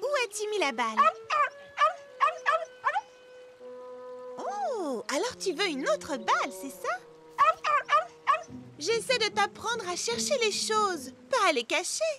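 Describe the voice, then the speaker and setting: A very high, swooping young girl's voice from a children's cartoon. She coaxes and scolds with exasperated affection, in an unhurried rhythm over music. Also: exaggerated voice. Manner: exclamatory, expressive, coaxing and scolding. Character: exasperated but affectionate young girl training her disobedient dog. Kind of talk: dubbed children's cartoon acting. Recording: music behind the voice.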